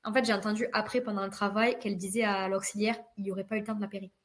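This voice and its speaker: A woman in her twenties, a podcast guest, telling a personal story in a vivid, expressive way with quick asides. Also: medium pitch. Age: 20s. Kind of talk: casual conversational storytelling.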